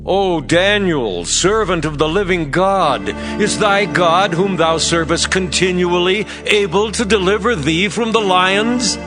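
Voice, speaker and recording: A man's voice: sits high, measured pace, few pauses. A man playing a devout, earnest Persian king, speaking grandly in a dramatized scripture production. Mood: anxious pleading. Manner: grand, declamatory. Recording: music behind the voice.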